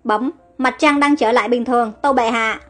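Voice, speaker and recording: A woman's voice: a little high, fairly even intonation, a little fast, fairly bright tone, faint music behind, natural voice. A woman reading panicky soldiers. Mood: alarmed. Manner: alarmed. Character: panicky male foot soldiers.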